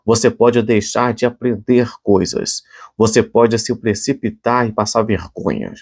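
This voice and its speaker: A man with a Brazilian Portuguese accent gives a short devotional sermon in a conversational way. His voice sits a little low, and he talks earnestly, often restarting his sentences and pausing on fillers before he closes in prayer. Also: darkish tone. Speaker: preacher.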